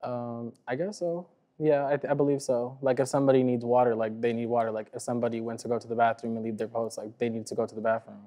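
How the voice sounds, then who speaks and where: A man's voice: medium pitch, level tone, fast, few pauses, mellow. A young man in his twenties, a guest on a TV talk show, answering casually with lots of hesitation and fillers. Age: 20s.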